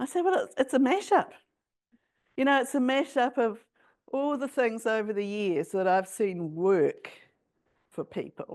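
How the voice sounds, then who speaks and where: With a New Zealand accent, a woman speaks in a high voice at a fairly slow pace, her pitch swinging very widely and long, frequent pauses breaking up her words over a quiet background. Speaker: therapy trainer and coach. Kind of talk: conference talk. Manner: casual, with many fillers.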